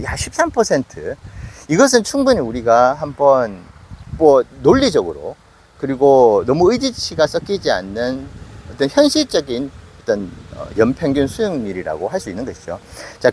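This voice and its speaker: Casual investing host, man in his late forties, lively delivery. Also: medium pitch, slight background noise. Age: 40s. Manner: conversational, self-questioning with acted asides. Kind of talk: casual investing talk to camera.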